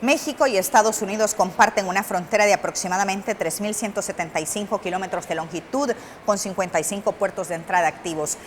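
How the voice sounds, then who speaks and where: A woman's voice: medium pitch, quick pace, a little hiss or hum. A woman reading scripted informational narration for a TV program in a formal, explanatory way.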